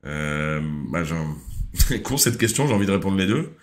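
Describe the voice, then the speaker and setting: Chatty young French man, low voice. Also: moderate pace. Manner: relaxed, chatty, full of hesitations. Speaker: driving school live host. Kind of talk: casual live quiz revision.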